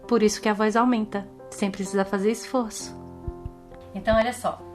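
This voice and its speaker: A woman with a Brazilian accent giving a drama lesson, explaining clearly and demonstrating. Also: mid-range voice, steady tone, fairly quick, darkish tone. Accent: Brazilian Portuguese. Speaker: drama teacher. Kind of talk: recorded online lesson. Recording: echoey room with faint music.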